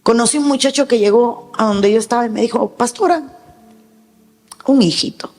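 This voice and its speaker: In a large church hall, a woman pastor preaches with emphatic delivery, sometimes acting out the voices of the people she quotes. Her voice is fairly high, quick, and a little mellow, and the recording carries the reverberation of the hall.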